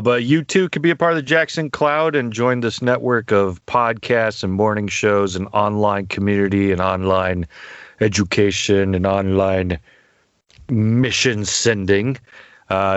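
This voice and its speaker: A young adult man hosting a podcast, talking in a relaxed, rambling way with many fillers. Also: lowish voice, no echo. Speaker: podcast host. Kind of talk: casual chat. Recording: dull lo-fi dry sound.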